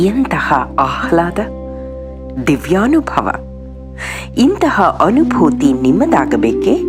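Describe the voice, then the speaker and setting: Over music in the background, a woman with a fairly high pitch speaks with very wide pitch swings. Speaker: TV anchor. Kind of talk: documentary narration. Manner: graceful, emotional.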